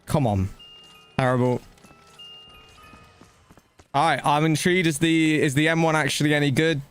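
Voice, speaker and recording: A man's voice: on the high side, moderate pace, a bit bright, clean tone, soft background music. A man giving casual live gameplay commentary and chatting to viewers, blunt, slangy and matey, with some swearing. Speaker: video game streamer.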